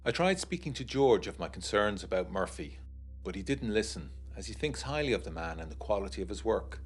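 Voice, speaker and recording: Gothic audiodrama lead: young gentleman veteran, low-pitched, wry, literary letter narration over music. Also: big pitch swings, brisk, slightly rough. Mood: uneasy, brooding. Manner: literary, genteel, wryly confiding. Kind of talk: scripted first-person letter narration, gothic period audiodrama.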